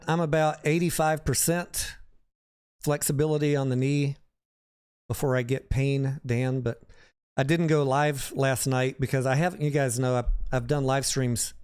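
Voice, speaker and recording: Guy doing a casual finance stream, clean resonant voice, medium pitch, talks right to his chat. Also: a little mellow, clean tone. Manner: conversational, addresses viewers by name. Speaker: livestream host and stock market commentator. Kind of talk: casual livestream chat answering viewer questions.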